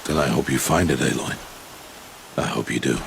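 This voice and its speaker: An actor playing a stern middle-aged tribal outcast hunter and mentor in a video game, speaking in a solemn, measured, commanding way. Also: male voice, very deep voice, creaky, slight background noise, heavily acted. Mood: subdued, resolute. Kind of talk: dramatic video game cutscene acting.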